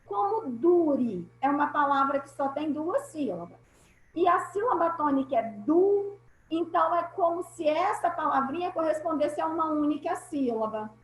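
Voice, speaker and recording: A woman's voice: high-pitched, expressive, normal speed. A woman teacher with a Brazilian Portuguese accent, giving an online class over a video call, patient and explaining step by step with repeated key points. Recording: echoey room.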